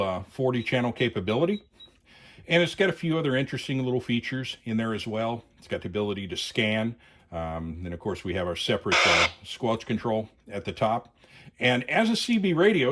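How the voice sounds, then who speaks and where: A man's voice: mid-range voice, a bit bright. A man hosting a casual gear review video, talking conversationally and often hesitating and correcting himself. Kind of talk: casual product demonstration.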